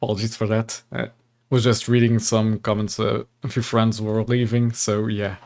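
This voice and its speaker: A man's voice: fairly low pitch, little pitch movement, moderate pace, creaky, darkish tone. A young man from Portugal chatting on a livestream, rambling with fillers and reading text aloud at his desk mic. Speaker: streamer. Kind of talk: casual livestream chat and reading.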